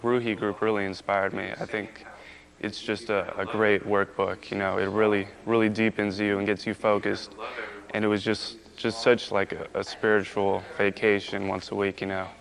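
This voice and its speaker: A man's voice: lowish voice, little pitch movement, moderate pace, gravelly. A young man being interviewed, giving a casual personal account in a conversational way.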